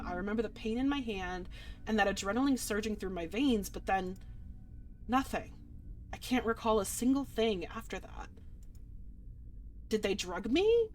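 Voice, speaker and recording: A woman's voice: mid-range voice, natural voice. A woman reading a visual novel aloud, voicing a frightened, injured young woman in the first person, with tense delivery that breaks into swearing.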